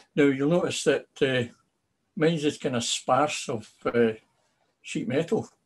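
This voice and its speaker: A man with a Scottish accent speaks at a fairly slow pace in a fairly high voice, with ordinary pitch variation and long, frequent pauses. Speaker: hobbyist club member. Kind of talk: presentation.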